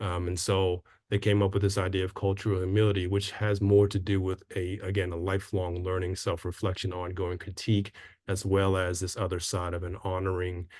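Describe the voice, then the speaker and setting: Somewhat breathy, the voice stays monotone with flat intonation over a quiet background. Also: man, very deep, low pitch for a man, fairly quick pace. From United States, Vietnamese Chinese American. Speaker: education researcher, presenter. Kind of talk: webinar presentation. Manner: fast.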